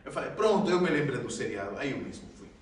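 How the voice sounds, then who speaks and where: Male lecturer telling a funny story, high and very animated, acting out his shouts, recorded from a distance in a reverberant hall. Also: fast, slight background noise. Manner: lively, acts out his own shouts and gasps, laughs often. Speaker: spiritist lecturer. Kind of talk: public talk, humorous storytelling. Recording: very echoey hall, mic at a distance.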